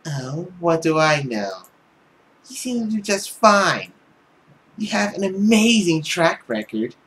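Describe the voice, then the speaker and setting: A man voicing a haughty, teasing young lady from a visual novel, with an arch, drawn-out delivery. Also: sits high, sing-song, fairly bright tone, a little hiss or hum, pitched above the performer's own voice, heavily acted.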